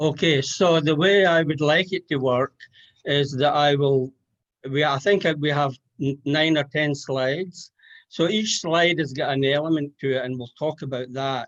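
Over a quiet background, a man talks at a fairly slow pace in a fairly high pitch with ordinary pitch variation. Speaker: parliamentary procedure trainer. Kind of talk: training workshop.

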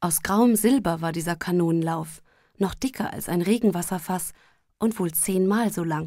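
A woman's voice has a dark, mellow tone and a gentle, soothing quality. She speaks at a moderate pace. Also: very clean recording, silent background. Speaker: audiobook narrator. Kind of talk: reading aloud, fairy-tale audiobook narration. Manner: gentle, soothing bedtime-story pace; expressive, storyteller's lilt.

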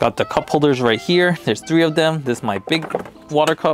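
Faint music plays in the background. The sound is dry, with no echo. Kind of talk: casual vlog tour. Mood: relaxed, friendly. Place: car. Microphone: phone near.

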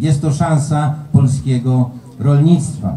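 Audible room echo hangs around a man's voice. His intonation is fairly even. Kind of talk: public speech. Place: open country.

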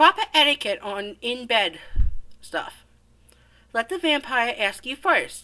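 The voice is raised and projected, with a bright, sharp tone. It moves at a fairly slow pace with very wide pitch swings. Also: woman. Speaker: video narrator. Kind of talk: video game machinima narration. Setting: low-quality microphone.

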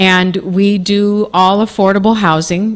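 Against a quiet background, the speaker talks at a very slow pace. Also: woman. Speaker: nonprofit director; guest. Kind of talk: presentation. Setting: church. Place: church. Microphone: podium.

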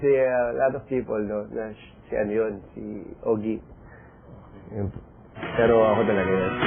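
Over music in the background, a man talks at a moderate pace with a fairly low pitch, fairly even intonation and long, frequent pauses. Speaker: voice actor. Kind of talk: interview answer.

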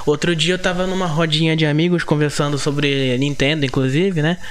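Over noticeable background noise, a man with a fairly high voice speaks with fairly even intonation, very even loudness and hardly any pauses. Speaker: podcast host. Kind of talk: casual interview chat. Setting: video call.

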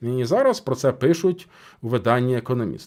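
Over a very clean recording with a silent background, a man with a plain, everyday voice talks fairly quickly with lively intonation. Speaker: political news commentator. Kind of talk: solo news commentary.

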